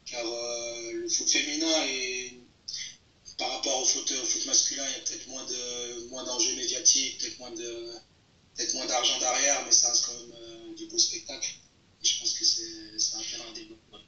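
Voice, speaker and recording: A man's voice: medium pitch, animated, normal speed, bright, forceful tone. A man in his thirties from France, a footballer answering interview questions, hesitant and repeating words as he searches for them. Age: 30s. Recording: roomy, distant, dull lo-fi sound.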